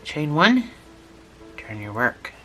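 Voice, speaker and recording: A channel host talking through a lesson step by step, patient and repetitive, a little hoarse from a cold. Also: medium pitch, big pitch swings, slow pace, pushed and bright, faint music behind. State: has a cold, losing voice. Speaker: instructor. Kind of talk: step-by-step tutorial narration.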